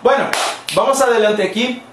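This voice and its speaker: A man's voice: very high-pitched, normal speed, echoey room, noisy background. A Brazilian man whose first language is Portuguese, hosting a playful live-stream language lesson and switching between languages.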